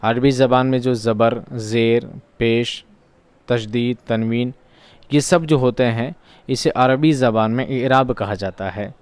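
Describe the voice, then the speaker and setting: A man leads an exam-prep lesson. He asks a question, answers it himself, and repeats each key word so it sticks. His voice is smooth and resonant, recorded close and dry. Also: mid-range voice, takes it slowly, darkish tone, dry recording. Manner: repeats key words for drilling. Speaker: online teacher.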